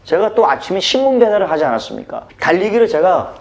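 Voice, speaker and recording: A man from Busan, a motivational speech coach, telling a personal story in a dramatic, expressive way. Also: high voice, fast, gravelly, slight background noise. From Busan, South Korea. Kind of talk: animated storytelling talk.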